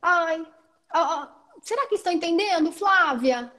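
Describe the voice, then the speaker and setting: A Brazilian woman teacher giving an online training talk, explaining in a lively way and often adding "né" to check that she is followed, over a video call. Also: very high voice, moderate pace, slight background noise. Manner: lively, explanatory, frequent "né" tags.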